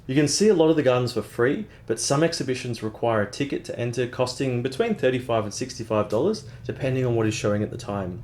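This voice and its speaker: A man narrating travel tips for a vlog in a clear, upbeat, measured way. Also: on the low side, a little mellow. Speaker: travel vlogger.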